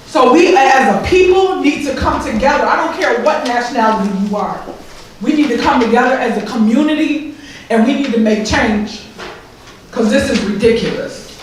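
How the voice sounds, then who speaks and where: A tearful woman speaks with raw, halting passion, her fairly high voice stumbling over repeated words. She is picked up from a distance in a very echoey room, with a faint hiss of noise underneath. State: tearful, emotional. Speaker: grieving mother speaking at a press event. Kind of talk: emotional public speech.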